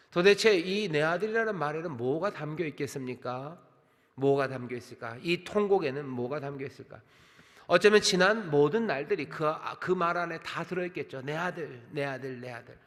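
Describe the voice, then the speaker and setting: A male pastor giving a sermon, earnest and sorrowful, dropping into quiet repeated laments. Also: on the high side, big-room sound. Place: large church sanctuary.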